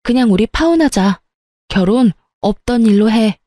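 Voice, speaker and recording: A woman's voice: a little high, lively intonation, moderate pace, mellow, dry recording, clean studio sound. A woman voicing a scornful young bride-to-be. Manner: cutting, scornful, blunt. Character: sharp-tongued young woman calling off her wedding.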